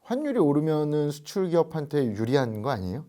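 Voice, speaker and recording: A man hosting an interview, asking steady questions and murmuring short acknowledgements. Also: a little high, a little fast. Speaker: interview host. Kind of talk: interviewer with brief backchannels.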